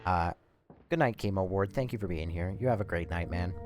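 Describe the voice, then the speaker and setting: A man doing casual live game commentary, rambling and swearing as he thinks out loud. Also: deep voice, a little fast. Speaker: live streamer. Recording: faint background noise.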